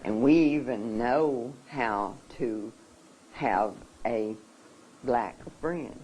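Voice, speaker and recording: A speaker addressing a seminar audience, emotional and halting, often restarting sentences. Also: mid-range voice, darkish tone, a little hiss or hum, poor audio. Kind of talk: personal talk to an audience.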